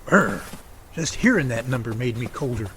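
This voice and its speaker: A man's voice: mid-range voice, lively intonation, normal speed, a bit bright, a little hiss or hum, natural voice. A man acting as a chatty, good-humoured grown son in an amateur audio drama, with folksy delivery. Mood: chatty, wry.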